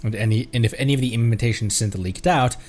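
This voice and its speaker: A man's voice: mid-range voice, quick pace, crowd noise. A man streaming a game, reading dialogue aloud and cracking jokes as he laughs along. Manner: joking, reads dialogue aloud, laughs often. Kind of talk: casual gameplay commentary.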